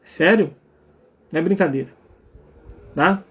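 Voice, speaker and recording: A man's voice: high voice, unhurried, fairly bright tone. A man with a Brazilian Portuguese accent, a psychologist giving a live talk to parents, speaking emphatically and often checking in with his listeners. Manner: emphatic, repeats checks like "tá?" and blunt "ponto". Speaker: psychologist and couples therapist.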